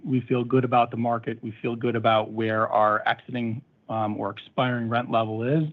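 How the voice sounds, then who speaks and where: A man answering as a company executive in measured, conversational business talk over a muffled phone line. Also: mid-range voice.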